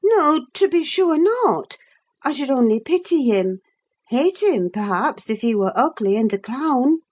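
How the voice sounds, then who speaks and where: A woman's voice: high voice, sing-song, a little slow, voice pushed up, full character voice. A woman reading a passionate, moody young woman in an audiobook, speaking in an impassioned, emphatic way. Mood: defiant. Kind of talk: audiobook character voice.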